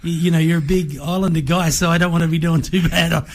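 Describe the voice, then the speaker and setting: A man's voice: a little high, steady tone, fast talker. A man hosting a casual radio interview in a studio, joking and chatty, laughing often. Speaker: radio program host. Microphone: studio microphone.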